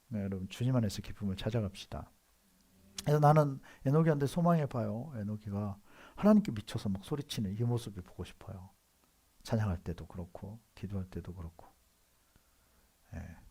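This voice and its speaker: Pastor, male, Seoul accent, low husky voice; conversational sermon with quiet asides and loud bursts. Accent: Seoul Korean. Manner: conversational preaching with frequent affirming "yes" asides; swings between soft asides and loud emphatic outbursts.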